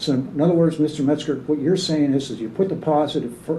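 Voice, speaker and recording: Audible room echo surrounds a man with an American accent who talks at a fairly quick pace and fairly high pitch, somewhat breathy, with ordinary pitch variation. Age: 70s. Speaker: public commenter, Vietnam veteran. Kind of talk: public comment at government meeting. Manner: halting.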